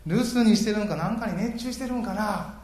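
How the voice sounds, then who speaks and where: A man, raised a little above his own pitch. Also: steady tone, fast talker, gravelly, darkish tone, reverberant. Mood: taunting. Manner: taunting, sarcastic. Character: mocking prophet taunting rivals, brash man.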